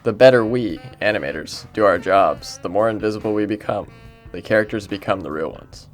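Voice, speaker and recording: A man's voice: on the low side, fairly quick, soft background music. A man giving a scripted reading of quotations as a guest narrator. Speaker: quote reader.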